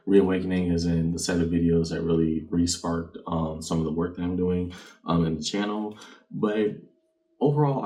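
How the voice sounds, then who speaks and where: Male tarot reader, low-pitched, reflective and conversational, addressing the viewer; distant, echoing room mic. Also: mellow. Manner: reflective, speaks directly to the viewer. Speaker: tarot card reader and channel host. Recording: roomy, distant mic with background noise.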